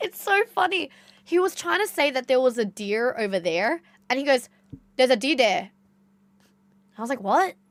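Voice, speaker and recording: With a strong Australian accent, a woman speaks at a moderate pace in a high pitch, using very wide pitch swings and long, frequent pauses, in a dry, close sound with no echo. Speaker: video game streamer. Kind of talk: live stream chat. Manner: casual, animated.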